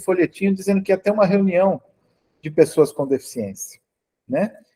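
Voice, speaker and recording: A man with a high pitch speaks in a dark, mellow tone. The sound is dry and close with no echo. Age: 60s. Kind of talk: interview.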